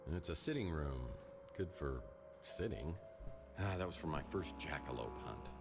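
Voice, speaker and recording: A down-on-his-luck private eye from a detective game. The voice sits low but moves around expressively, with dry self-mockery as he narrates what he sees. Faint music plays behind him. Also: normal speed, husky, exaggerated voice. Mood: wry musing. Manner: deadpan, self-deprecating. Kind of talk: film noir detective game voice acting.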